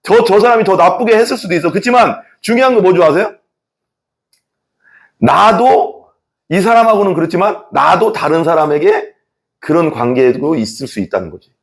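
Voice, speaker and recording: A man's voice: high-pitched, moderate pace. A man in his thirties preaching a sermon as a pastor, acting out quoted thoughts with laughs. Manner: lively, acts out quoted inner thoughts with laughs.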